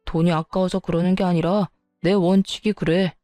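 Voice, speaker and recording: A woman's voice: on the low side, fairly even intonation, moderate pace, warm tone, dry recording, clean studio sound, soft background music, natural voice. A woman voicing a cold, stingy young husband who lectures his wife dismissively. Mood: smug. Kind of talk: storytelling dialogue.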